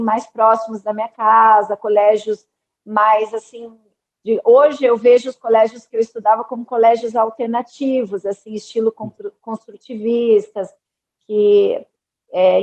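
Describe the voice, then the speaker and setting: A Brazilian woman in her forties from Curitiba, a guest telling her story calmly in an interview. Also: fairly high pitch, low-quality recording. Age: 40s. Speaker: guest, ophthalmologist. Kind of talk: interview conversation.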